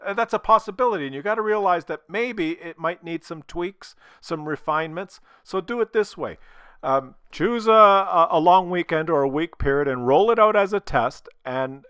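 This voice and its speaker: A man's voice: high-pitched, bright, forceful tone, smooth, dry recording, studio quality. A man talking casually to his viewers, blunt and opinionated, swearing freely, while losing his voice from a cold. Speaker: gaming video creator.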